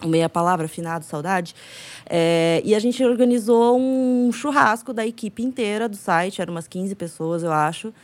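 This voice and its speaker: Woman telling a story, mid-pitched. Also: normal speed. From southern Brazil. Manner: lively confessional storytelling. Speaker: podcast co-host. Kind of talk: casual chat, storytelling.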